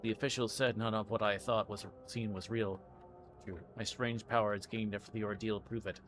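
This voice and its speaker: A man's voice: fairly low pitch, level tone, a little fast, fairly bright tone, faint music behind. A man playing a video game as a streamer, reading its text aloud and commenting.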